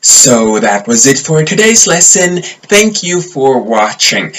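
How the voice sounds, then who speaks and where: A man teaching a pronunciation lesson, speaking carefully and deliberately to his viewers. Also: mid-range voice, sing-song, fairly bright tone. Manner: careful, deliberate delivery, modeling words slowly. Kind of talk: slow, clear pronunciation lesson.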